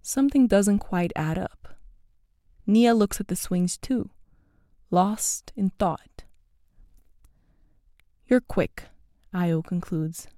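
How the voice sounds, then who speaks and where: A woman from the Netherlands reading a story as an audio storyteller, measured and even. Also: mid-range voice, no echo, studio quality. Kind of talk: scripted narration.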